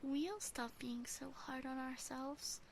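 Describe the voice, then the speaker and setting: Woman acting a high-pitched teasing demon girl. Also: slow pace, a little hiss or hum. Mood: gentle reassuring. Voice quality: breathy, often whispered. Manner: gentle, teasing, sweetly possessive. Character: teasing, obsessive female yandere demon sister, doting captor. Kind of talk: ASMR roleplay.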